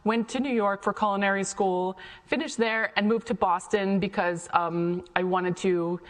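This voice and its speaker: A woman's voice: medium pitch, fairly even intonation, normal speed. A middle-aged woman with an American accent gives a chatty, informal talk about her own life to an audience. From Ohio, United States. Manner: chatty, conversational. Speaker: guest speaker, chef and cafe founder. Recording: echoey hall, long reverb.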